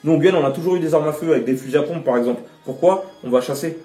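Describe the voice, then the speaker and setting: A man's voice: fairly high pitch, rapid-fire, mellow. A man from French Guiana, a rapper giving an interview, speaking passionately and emphatically with outspoken opinions. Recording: roomy echo, distant mic, faint music.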